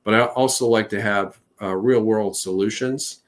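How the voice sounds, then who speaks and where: A man's voice: lowish voice, fairly even intonation, normal speed. A man in his fifties, an American security strategist, answering interview questions in a hesitant way with many fillers and restarts. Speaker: national security strategist guest. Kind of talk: interview answers, recounting career.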